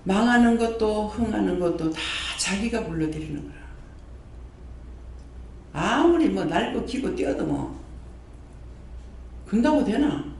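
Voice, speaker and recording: A male pastor delivers a sermon, his high voice leaping up and down as he repeats phrases and fires questions at his listeners. He is recorded from far off in a very echoey prayer hall. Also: unhurried, pauses often, a little hiss or hum. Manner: animated preaching, repeats phrases, quizzes the congregation.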